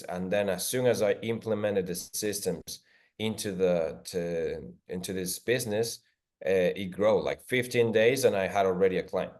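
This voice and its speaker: A man from Ecuador, a guest in an interview, speaking haltingly with many restarts. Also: sits low, a little mellow. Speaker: interview guest, agency owner. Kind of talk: casual video call interview.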